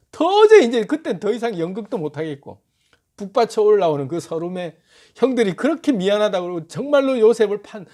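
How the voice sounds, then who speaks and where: A man retelling a Bible story dramatically, with lots of emotion, and acting out the characters' lines. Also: high-pitched. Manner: animated, dramatic, acts out dialogue.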